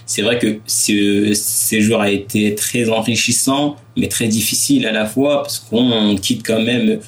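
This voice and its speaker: A man's voice: on the low side, fairly even intonation, unhurried, distant mic. A man in his twenties answering interview questions in a hesitant way, with many fillers and restarts. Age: 20s. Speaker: podcast guest, student entrepreneur.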